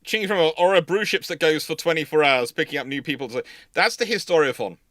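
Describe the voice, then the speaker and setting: A man hosting a naval history livestream, answering questions in casual chat with halting, repetitive phrasing. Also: on the high side, expressive, a bit bright, no echo, clean studio sound.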